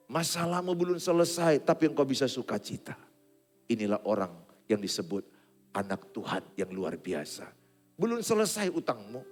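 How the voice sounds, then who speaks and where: A male pastor delivers a sermon in a church sanctuary, his fairly high voice ringing with long reverb through the hall. He shifts between playful banter and hushed, tearful pleading. A guitar plays faintly underneath. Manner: swings from joking to soft, tearful pleading. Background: faint guitar playing.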